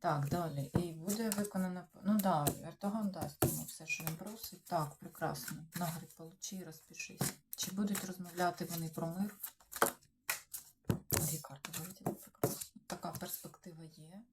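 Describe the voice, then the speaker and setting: A Ukrainian woman with a lowish voice reads tarot cards against the day's news, musing aloud and checking in with her audience. The recording carries steady background noise. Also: a little fast. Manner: musing, talks to cards and viewers, trails off. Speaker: tarot reader. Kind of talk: tarot reading on current news. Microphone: clip-on or desk microphone.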